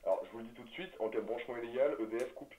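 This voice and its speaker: Un homme au téléphone pour un canular, au débit hésitant et un peu récité. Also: male voice, mid-range voice, rapid-fire, crowd noise, natural voice. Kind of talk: prank phone call recording. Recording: dull lo-fi audio.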